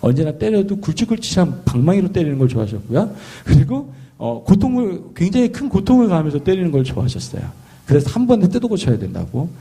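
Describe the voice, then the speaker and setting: A pastor from Seoul, South Korea delivers a lively, story-driven sermon and keeps asking the congregation questions. His male voice is slightly high and a little rough.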